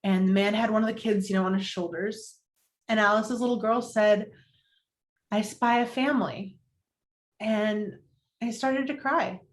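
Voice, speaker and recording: A woman's voice: medium pitch, unhurried, pauses often, lightly acted. Actress playing an earnest, newly single New York woman. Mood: earnest, confessional. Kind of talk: table read of romantic comedy film script. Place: indoors, virtual video-call table read.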